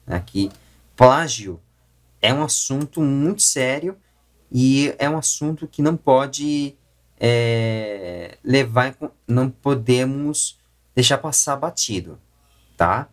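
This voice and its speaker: A man with a Brazilian accent gives opinion commentary as a YouTube host, explaining in a halting way and often correcting himself. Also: medium pitch, expressive.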